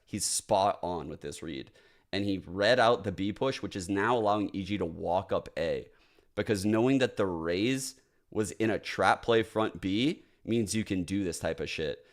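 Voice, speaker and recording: A man streaming live analysis of a match, excitable and swearing often, calling people "bro". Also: lowish voice.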